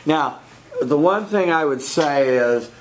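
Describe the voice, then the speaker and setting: A man's voice: a little high, animated, slow pace, a little hiss or hum, poor audio. A man teaching a speech class, giving spoken feedback in a loose, conversational way with fillers and restarts. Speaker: speech instructor.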